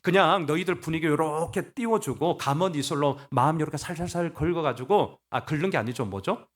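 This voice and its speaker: A man preaching a sermon as pastor, animated, acting out voices and asking the congregation questions. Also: a little high, a little fast. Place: church sanctuary.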